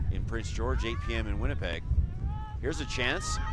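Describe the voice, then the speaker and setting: Light background noise sits behind a man whose voice sounds dry, with no echo. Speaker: soccer commentator. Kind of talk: live play-by-play soccer commentary. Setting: broadcast of a match at the stadium. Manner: knowledgeable, analytical, explaining tactics between plays.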